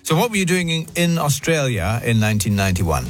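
A man's voice: mid-range voice, big pitch swings, a little fast, soft background music. A male radio host chatting with a caller, upbeat and encouraging, asking short questions. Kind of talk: radio phone-in chat.

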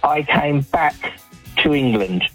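A man's voice: on the high side, lively intonation, takes it slowly, a bit bright, slightly rough, faint music behind. A man who grew up in Australia calls a radio show and tells his life story in a chatty, anecdotal way with frequent ums and restarts. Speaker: caller, professional storyteller.

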